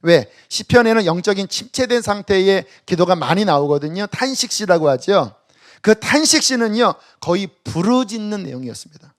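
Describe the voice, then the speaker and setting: Preaching at a worship service, a male pastor with a high voice and lively intonation speaks at a normal speed. He goes from loud exhortation to quiet near-whispers and leads the congregation in reading scripture aloud.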